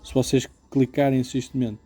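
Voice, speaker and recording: A man's voice: medium pitch, flat delivery, fairly quick, warm tone. A man with a European Portuguese accent giving a casual, informal hands-on product review, explaining things step by step. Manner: informal, explanatory, often checking with "ok?". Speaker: motorcycle gear reviewer.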